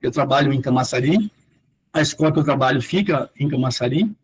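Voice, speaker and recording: A man's voice: mid-range voice, expressive, fairly quick, slightly rough, low-quality recording. A man from Salvador with a Bahian accent, a philosophy teacher presenting his research in a hesitant academic talk full of fillers, with formal passages read aloud. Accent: Bahian Brazilian Portuguese. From Salvador, Bahia, Brazil.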